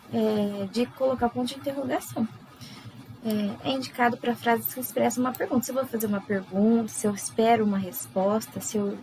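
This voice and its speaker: Brazilian woman teacher explaining slowly. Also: fairly high pitch, vocal fry, a little hiss or hum, low-quality recording. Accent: Brazilian Portuguese. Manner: explaining slowly with many fillers. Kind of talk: recorded remote lesson.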